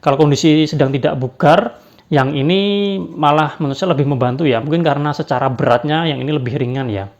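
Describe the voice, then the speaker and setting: A man's voice: on the high side, fairly quick. A man giving a casual spoken product review, hesitant, with many fillers and tag questions. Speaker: badminton racket reviewer. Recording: dull lo-fi sound.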